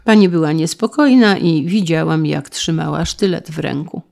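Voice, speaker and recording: A woman voicing a frightened young maidservant who gives nervous but clear testimony. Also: low-pitched, normal speed, darkish tone.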